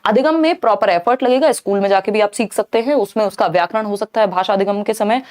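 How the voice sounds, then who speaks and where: A woman teacher giving a live online exam-prep lesson, explaining lively and often checking in with her viewers. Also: mid-range voice, fast. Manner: mixes Hindi with English terms.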